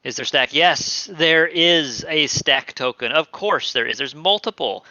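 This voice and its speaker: A man hosting a casual crypto streaming show, chatty and animated, often laughing. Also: fairly high pitch, measured pace, no room sound, muffled recording. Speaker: podcast host.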